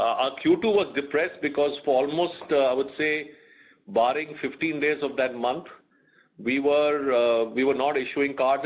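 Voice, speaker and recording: A man with an Indian accent answering questions as a bank executive on an earnings call, in a measured, explanatory way. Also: medium pitch. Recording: muffled conference call audio.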